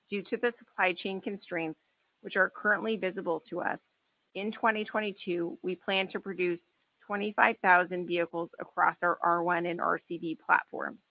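A woman in a formal, measured manner reading a scripted earnings call presentation as a finance executive. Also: fairly low pitch, vocal fry, no room sound. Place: conference call webcast. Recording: dull, band-limited webcast audio.

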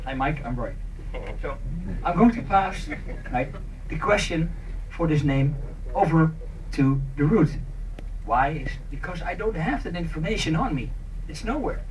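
A man's voice: on the high side, expressive, unhurried, long pauses. A middle-aged man playfully and informally presenting a live conference skit. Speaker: session presenter acting out an internet provider. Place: small conference meeting room. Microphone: handheld mic, filmed from audience. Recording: distant, noisy conference room recording.

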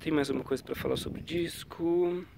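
A man's voice: on the high side, fairly even intonation, normal speed, gravelly, background noise. Chatty man with a cold. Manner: chatty, loose, trails off with "tá?" and "né?". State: has a cold. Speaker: cycling vlogger. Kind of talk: casual talk to camera about bike brakes. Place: outdoors on a quiet paved road. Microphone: action camera on the bike.

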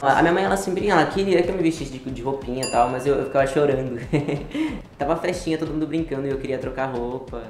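A 19-year-old man with a Brazilian Portuguese accent telling personal stories in a relaxed way, laughing often, recorded in a studio against a grey wall. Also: medium pitch, fast. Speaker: interviewee. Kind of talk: casual personal storytelling. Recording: roomy room sound.

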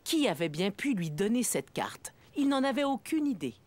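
A woman's voice: a little high, sing-song, normal speed, a little mellow. A woman narrator telling a scripted story for small children in a storytelling manner.

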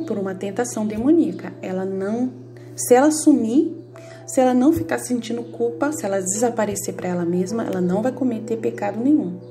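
A woman's voice: on the high side, warm tone. A middle-aged Brazilian woman teaching about faith in a casual, earnest way, repeating herself and often checking that her listeners follow. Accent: Brazilian Portuguese. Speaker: Catholic study group leader. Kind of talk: informal religious teaching with personal examples.

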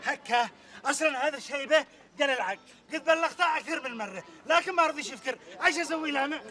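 A man's voice: very high voice, very fast, sharp tone, roomy sound. An actor playing a grumpy young man who defies his mother, grumbling in a Yemeni accent. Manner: grumbling, defiant.

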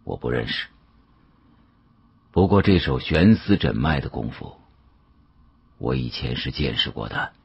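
Guy putting on a shrewd older boss man for an audiobook, super low and husky, knowing, measured, dull sound. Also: expressive, heavily acted. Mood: pensive. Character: shrewd, amused older male senior official.

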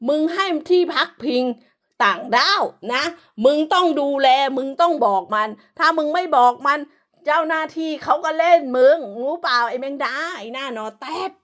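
A woman's voice: sits high, expressive, normal speed, fairly bright tone. A woman delivering an angry, profane, scolding rant as an online commentator, hurling insults throughout.

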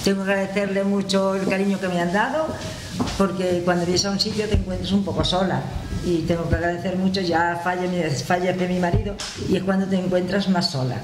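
A woman's voice: on the low side, fairly even intonation, a little fast. An older woman from La Mancha with a Manchego Spanish accent, chatting as a guest and reminiscing in a casual, storytelling way at a table mic. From La Mancha, Spain. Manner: chatty, reminiscing, laughs at herself. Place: community hall with audience. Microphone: table mic on stand. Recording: roomy hall, audible noise.

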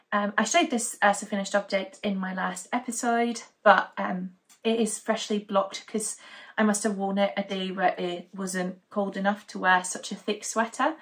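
Sitting indoors in her living room, a young Danish knitting podcaster talks to the camera in a chatty, upbeat way, rambling and saying "um" often. Her voice is fairly bright and pitched at a typical middle range for a woman.

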